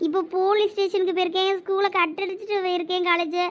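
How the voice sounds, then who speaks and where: A woman plays a college girl with a Thoothukudi Tamil accent in a cartoon. Her voice is very high and squeaky, and she frets and scolds her friend nonstop. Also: little pitch movement, fast, lo-fi sound. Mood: worried. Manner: fretful, scolding, exclaiming. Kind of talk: cartoon voice acting.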